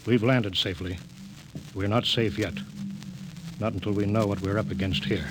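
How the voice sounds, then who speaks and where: A man's voice: on the low side, fairly even intonation, normal speed, natural voice. An American man playing a stern, cautious rocket captain with curt commands in a 1950s radio drama. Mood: stern, guarded. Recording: noisy old 1950s radio recording.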